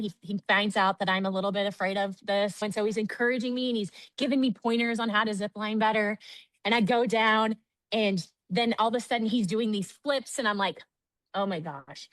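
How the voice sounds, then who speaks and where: A woman giving an energetic, chatty sales training talk, often calling her audience "guys". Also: fairly high pitch, no echo, low-quality recording. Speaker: network marketing trainer.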